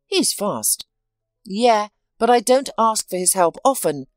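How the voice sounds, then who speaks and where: A woman reading as a calm, steady male friend. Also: medium pitch, slow, dry recording, studio quality, soft background music. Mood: matter-of-fact.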